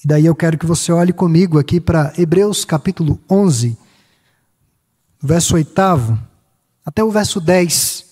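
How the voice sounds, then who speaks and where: A Brazilian man with a Minas Gerais accent preaching a sermon as pastor, in a measured cadence that lists phrases slowly and rises on key words. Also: a little high, dark tone, breathy edge, in a large hall. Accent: Brazilian Portuguese, Minas Gerais.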